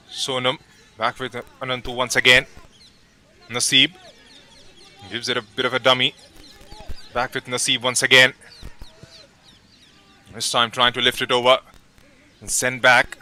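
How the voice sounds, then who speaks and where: A man giving live play-by-play football commentary, calling names and passes in steady, measured phrases. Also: mid-range voice. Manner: steady, measured calls with brief pauses between names.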